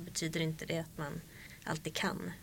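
A woman speaks with a Swedish accent at a fairly low pitch. Her intonation is monotone and flat. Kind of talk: casual interview.

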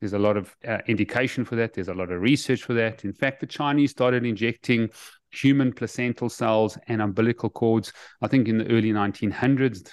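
A man with a South African accent at a fairly quick pace, dry and close with no echo, over a quiet background. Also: medium pitch for a man. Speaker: health coach. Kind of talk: interview.

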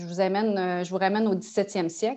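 A woman speaks at a fairly slow pace in a dark, mellow tone at a medium pitch, over a quiet background. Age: 50s. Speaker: nonprofit executive director. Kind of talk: interview. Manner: hesitant, with frequent repetitions.

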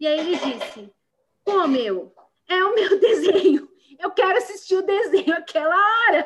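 Her pitch extremely high, a woman speaks at a fairly slow pace with lively intonation. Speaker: school educator. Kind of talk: case presentation.

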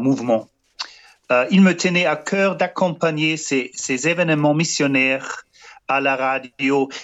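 A man speaks with a German accent. His pace is very slow. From Germany (Saarland). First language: German (speaking French). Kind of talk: radio interview. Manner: halting.

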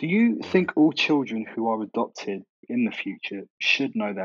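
Here a man speaks in a London accent. His pace is moderate and his pitch variation ordinary. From South London. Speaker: journalist and podcast host. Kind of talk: casual interview chat. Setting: video call.

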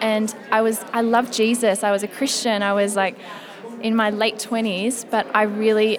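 Someone with an Australian accent speaks at a moderate pace with fairly even intonation. Noticeable background noise is audible. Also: woman. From Sydney, Australia. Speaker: pastor. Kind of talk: casual interview. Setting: conference venue.

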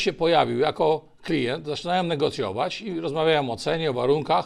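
A man with vocal fry and a fairly high pitch speaks at a fairly quick pace with lively intonation on a very clean recording with a silent background. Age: 60s. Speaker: business consultant. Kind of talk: interview. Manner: fluent.

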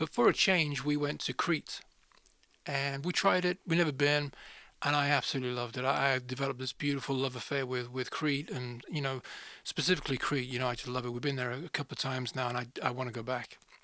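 A man with a Birmingham accent speaks at a very fast pace in a bright, sharp tone on a very clean recording with a silent background. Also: medium pitch for a man, fairly even intonation. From England, Birmingham. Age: 40s. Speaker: singer and songwriter. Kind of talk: interview about personal story.

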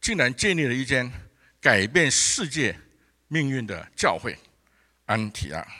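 On a very clean recording with a silent background, a man speaks with a bright, sharp tone and vocal fry. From Singapore. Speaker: pastor. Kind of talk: sermon.

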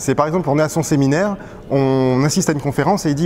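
A man speaks very fast at a fairly high pitch with ordinary pitch variation, over noticeable background noise. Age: 30s. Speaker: property investor. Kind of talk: testimonial.

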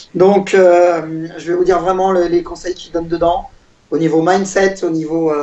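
In a high voice, a man talks at a fairly slow pace. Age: 40s. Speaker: real estate investor. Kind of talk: casual chat. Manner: halting.

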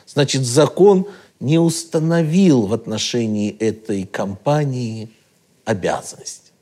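A man speaks very slowly in a medium-pitched voice with a dark, mellow tone. His pitch swings very widely. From Urals, Russia. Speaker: lawyer, law firm managing partner. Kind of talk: casual interview.

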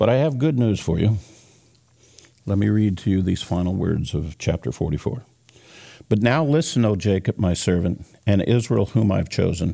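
A man talks with long, frequent pauses. His tone is dark and mellow, his pitch fairly low. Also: lively intonation, moderate pace. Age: 70s. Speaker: congregation teacher. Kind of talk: sermon. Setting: church. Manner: halting.

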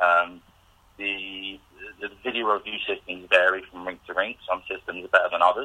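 A man speaks with a British accent. His loudness swings widely. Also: moderate pace. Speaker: ice hockey referee. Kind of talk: interview.

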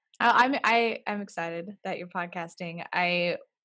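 A woman's calm, medium-pitched voice at a very slow pace, with fairly even intonation against a quiet background. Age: 30s. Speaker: podcast host. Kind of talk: casual chat.

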